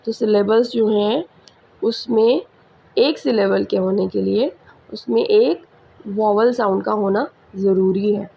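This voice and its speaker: A woman with a Pakistani English accent teaching a school English lesson, speaking slowly and repeating example words. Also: medium pitch, vocal fry, breathy edge. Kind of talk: slow classroom lecture mixing Hindi-Urdu and English. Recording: slightly muffled recording with faint background hiss.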